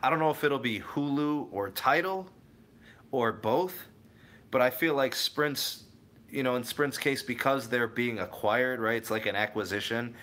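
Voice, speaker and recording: A young man from the Cleveland area, USA, hosts a casual tech livestream, reading viewer comments and answering people by name. He rambles and frequently backtracks to correct himself mid-thought, speaking unhurriedly in a medium-pitched voice with a fairly bright tone.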